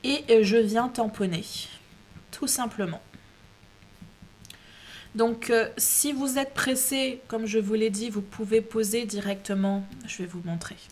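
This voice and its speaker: A woman's voice: fairly high pitch, slow pace, long pauses. A woman hosting a casual craft tutorial at home, chatty, with many hesitations and restarts. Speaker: craft video host.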